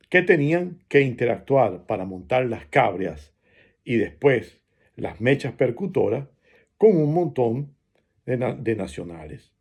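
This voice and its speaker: A man from Venezuela with a Venezuelan Spanish accent, giving a reflective spoken essay and pausing often between phrases. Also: mid-range voice, darkish tone, slightly rough.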